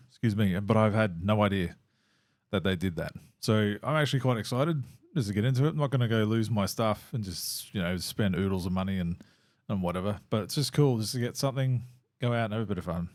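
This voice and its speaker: A hoarse man, hosting a casual solo podcast and rambling with many fillers and restarts. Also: on the low side, animated, brisk, a little mellow, no echo, studio quality. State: hoarse, losing his voice. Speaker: podcast host. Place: home.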